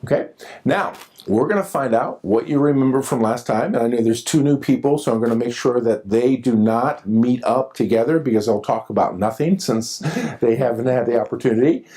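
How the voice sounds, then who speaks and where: A man's voice: mid-range voice, normal speed, dark tone. Man leading a teacher workshop. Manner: repeats "okay" and "as far as" often. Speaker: workshop facilitator. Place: classroom workshop.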